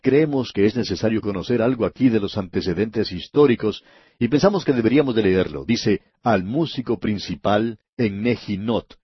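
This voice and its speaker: A man teaching the Bible on the radio, measured and emphatic, slowing down to stress key words. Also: on the low side, breathy edge, no echo. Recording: dull, slightly lo-fi broadcast audio.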